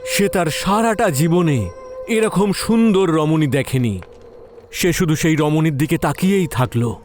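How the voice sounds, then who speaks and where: Higher-pitched male horror storyteller. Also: animated, measured pace, a little mellow, soft background music. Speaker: narrator. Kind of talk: scripted dramatic horror storytelling.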